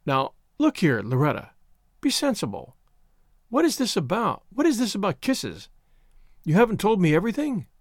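A man playing an intense, stern young man in a storybook reading, speaking with forceful, urgent commands. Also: high voice, wildly swooping pitch, moderate pace, dry recording, studio quality, voice pushed up, exaggerated voice. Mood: urgent, commanding. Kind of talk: dramatised audiobook story reading.

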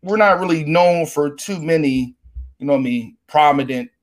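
A man hosts a laid-back podcast, his voice pitched a little high. He rambles through his questions and keeps tagging on "you know what I mean.". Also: moderate pace. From Maryland, near Baltimore. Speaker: podcast host. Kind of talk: casual podcast interview.

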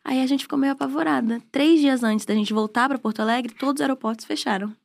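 This young woman from southern Brazil talks with no regional accent, her voice sitting a little on the high side. She chats loosely as a guest, circling back and restarting sentences as she tells a story in a podcast studio. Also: quick pace, creaky. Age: 20s. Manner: chatty, storytelling, trailing restarts. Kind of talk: casual interview chat.

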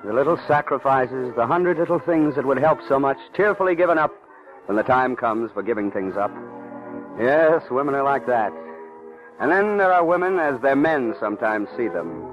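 A man's voice: mid-range voice, lively intonation, normal speed. A man delivering dramatic scripted narration for an old radio programme. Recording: muffled old radio recording, music.

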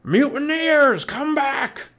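A man voicing a gruff, bullying pirate captain in a children's audiobook, bellowing drawn-out orders. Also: very high voice, expressive, fairly bright tone, voice pushed up, full character voice. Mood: furious, commanding.

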